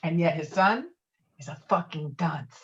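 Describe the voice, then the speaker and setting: A woman with a deep, expressive, unhurried voice plays Walter, a brash, foul-mouthed, domineering male friend, in a virtual table read of a film script. She sounds exasperated and forceful, blustering, swearing and insisting. The lo-fi audio comes through a video call.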